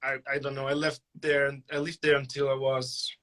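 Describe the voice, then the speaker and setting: Bright-voiced man on a call. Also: medium pitch, little pitch movement, moderate pace. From France. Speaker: guest musician. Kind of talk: interview conversation.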